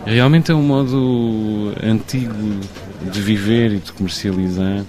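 A man's voice: fairly low pitch, fairly even intonation, a little slow, a little mellow. A man from the Azores, a writer speaking thoughtfully in an interview, with some hesitations. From Terceira, Azores. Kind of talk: reflective interview talk. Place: shop and street in town.

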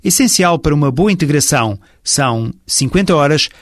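A man reading a scripted radio segment as presenter, in a steady, measured way. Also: fairly high pitch, no room sound.

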